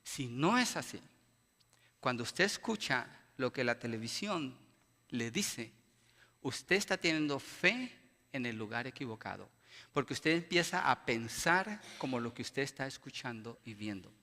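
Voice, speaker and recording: A man's voice: medium pitch, lively intonation, unhurried, bright, forceful tone. A middle-aged male pastor, preaching an impassioned sermon full of emphatic rhetorical questions in a church. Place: church sanctuary. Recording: long church reverb.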